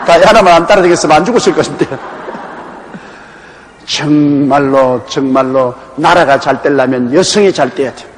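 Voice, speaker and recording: A man's voice: on the high side, moderate pace. A man from Korea's Gyeongsang province, a pastor giving a Bible exposition sermon in a folksy, anecdotal storytelling manner. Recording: echoey hall with faint background noise.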